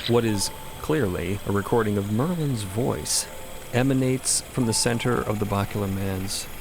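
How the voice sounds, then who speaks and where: A man's voice: fairly low pitch, normal speed, background noise. A man narrating a scripted story in a playful, wordy, theatrical manner. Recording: music behind narration.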